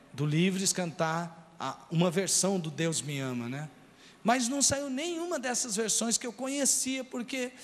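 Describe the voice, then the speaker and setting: Speaking straight to his congregation, a pastor with a Brazilian Portuguese accent shares a personal story with earnest conviction during his sermon. The voice is a little high, with a big-room sound.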